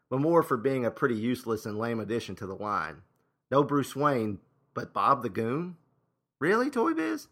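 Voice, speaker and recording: A man's voice: on the low side, pushed and bright. A man hosting with scripted narration and casual, wry asides. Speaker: host and narrator.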